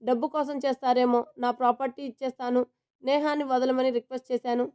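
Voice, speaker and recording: A man's voice: very high voice, flat delivery, fairly quick, a little mellow, clean tone. A woman reading a storybook and voicing an anguished, defensive young man who confesses with heated urgency.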